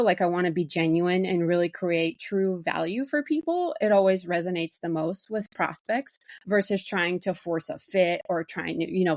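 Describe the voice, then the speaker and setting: A woman's voice: on the low side, dry recording, studio quality. A woman in her forties from Bulgaria, talking casually and thoughtfully as an interview guest, with some fillers and restarts. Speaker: guest, marketing director.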